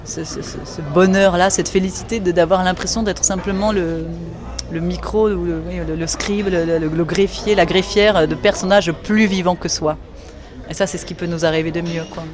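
A woman's voice: on the low side, fairly even intonation, normal speed, a crowd in the background. A middle-aged woman novelist speaking enthusiastically in a radio documentary interview, often restarting and repeating words. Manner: enthusiastic, with many restarts and repetitions. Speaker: novelist guest.

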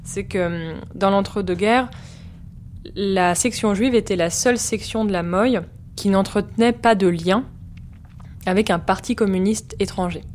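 A woman historian explaining her research in a measured way, with frequent hesitations. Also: mid-range voice, a little mellow, slight background noise. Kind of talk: explanatory interview.

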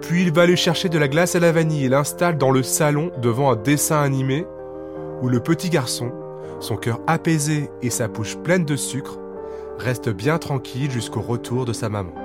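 A man telling a bedtime story in a lively, expressive reading voice. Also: mid-range voice, normal speed, over music.

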